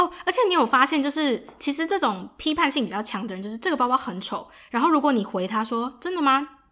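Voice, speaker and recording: Very fast and with hardly any pauses, a woman speaks in a raised, projected voice with a bright, sharp tone. Her high pitch swings very widely. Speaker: podcast co-host. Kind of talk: casual chat.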